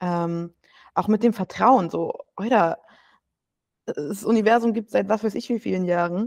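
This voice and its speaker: A woman speaks at a moderate pace and medium pitch with ordinary pitch variation, the sound dry and close with no echo. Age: 20s. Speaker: coach working on psychological processes. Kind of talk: casual chat.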